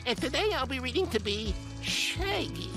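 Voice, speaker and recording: A man voicing a hammy cartoon talking shark who auditions with slow, broad delivery. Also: extremely high pitch, big pitch swings, music in the background, heavily acted.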